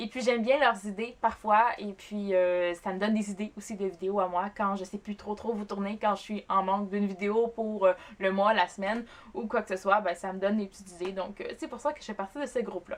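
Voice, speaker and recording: Over noticeable background noise, a woman talks at a fairly quick pace with fairly even intonation and big swings in loudness. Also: medium pitch for a woman. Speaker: book vlogger. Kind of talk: casual vlog talk. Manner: hesitant, many fillers.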